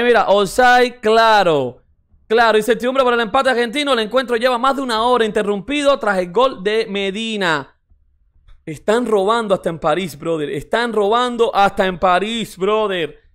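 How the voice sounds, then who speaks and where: A man reacting to a football match with a heated, mocking rant, his voice sitting high. He repeats his points and keeps calling his viewers brother. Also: brisk, fairly bright tone, smooth. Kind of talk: excited reaction commentary.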